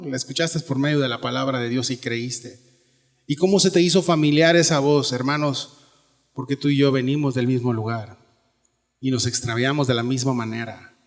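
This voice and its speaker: A man with a Mexican Spanish accent preaching a sermon in a church, earnest and conversational, often asking the listeners questions. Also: mid-range voice. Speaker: pastor. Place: church sanctuary. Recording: long hall reverb.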